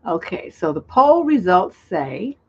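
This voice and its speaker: A woman's voice: lowish voice, big pitch swings, unhurried, a little mellow, breathy edge. A woman relationship coach hosting a live call-in stream, chatting loosely and reading viewers' comments aloud. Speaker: relationship coach and show host. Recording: dull lo-fi stream audio.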